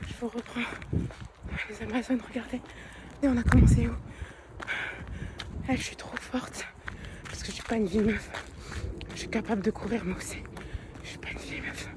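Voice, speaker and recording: A young woman vlogging outdoors during a run, excited and cheerful, with casual slang, into a handheld phone. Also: a little high, moderate pace, pauses often. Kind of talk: casual vlog chat. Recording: outdoor noise clearly audible.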